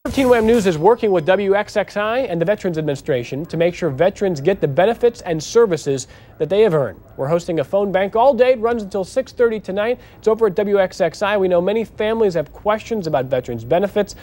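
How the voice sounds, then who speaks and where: High-voiced man anchoring the news. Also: lively intonation, quick pace, darkish tone.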